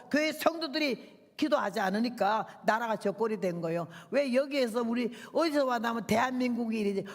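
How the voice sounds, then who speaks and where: An older woman, a visiting missionary, preaching a revival sermon in a fiery, emotional, rambling way. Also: fairly high pitch. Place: church sanctuary. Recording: long church hall reverb.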